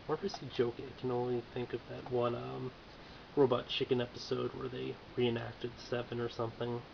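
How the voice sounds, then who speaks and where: A man's voice: medium pitch, flat delivery, fairly quick, gravelly. A man casually reviewing a toy figure in a dry, offhand, self-mocking way, in a lo-fi home recording with faint hiss.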